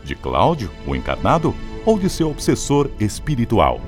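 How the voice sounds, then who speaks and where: A man's voice: mid-range voice, huge pitch swings, moderate pace, over music. A man narrating a radio drama from a script in a solemn, declamatory announcer's manner.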